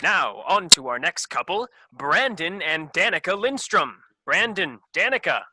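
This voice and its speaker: A pumped-up TV game show host, acted by a man in a parody sketch. His voice is very bright and slightly high, swooping with showy, chummy cheer. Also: very animated, measured pace, no echo, full character voice. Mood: upbeat. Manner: upbeat, showy, patronizing.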